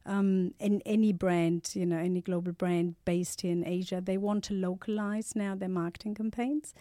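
A woman's voice: on the low side, steady tone, normal speed, mellow, no echo, clean studio sound. A woman in her forties with a blended Spanish, Australian and English accent, a startup founder talking as a podcast guest, with many fillers and repeated phrases. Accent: mixed Spanish, Australian and English. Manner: many fillers, repeats words, says "you know, sort of". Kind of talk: casual interview talk. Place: podcast studio.

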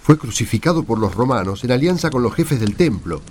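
A man's voice: medium pitch, expressive, brisk, a little mellow, slight background noise, natural voice. A man playing an anguished, devout apostle in a radio play. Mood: grieved, firm. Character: anguished, devout male apostle seething with hate.

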